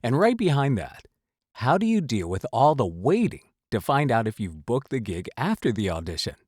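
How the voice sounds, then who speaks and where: Animated man giving motivational advice. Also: mid-range voice, husky, no echo, studio quality. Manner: emphatic, dramatic pauses. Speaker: host, voice-over coach. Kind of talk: motivational talk to camera, semi-scripted advice.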